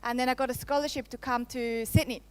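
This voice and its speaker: Swiss lady with a bit of french in her accent, keynote on a handheld mic, smooth clear voice, kinda high, jokes with the crowd. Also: fairly even intonation, quick pace, darkish tone. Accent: Swiss, with some French. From Switzerland. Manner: playful, teasing the audience, laughs often. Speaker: conference speaker. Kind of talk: live keynote presentation. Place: conference hall. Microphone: handheld microphone.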